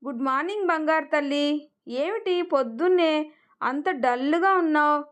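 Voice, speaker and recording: A woman voicing a kindly, worried grandfather in a storybook tale, speaking softly and tenderly. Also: high-pitched, normal speed. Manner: soft, tender and prayerful.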